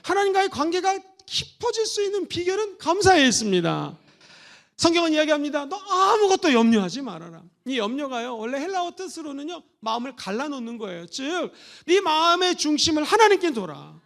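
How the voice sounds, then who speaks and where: A middle-aged man from Seoul preaching a church sermon as pastor, moving between loud exhortation and soft, intimate asides. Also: very high voice, big pitch swings, fairly quick, gravelly. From Seoul, South Korea. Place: church sanctuary.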